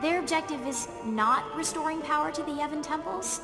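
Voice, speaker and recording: A woman's voice: high-pitched, fairly quick, loud music behind the voice. A woman playing a sardonic, haughty seventeen-year-old girl operative in a radio drama, dry and scornful. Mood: skeptical. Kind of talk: radio drama acting with inner narration.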